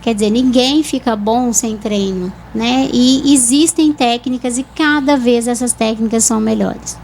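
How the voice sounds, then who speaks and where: A woman with a Brazilian accent, a speech therapist calmly explaining voice and articulation in a TV interview. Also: a little high, unhurried, slight background noise, poor audio. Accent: Brazilian Portuguese. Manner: calm, didactic explanations with examples.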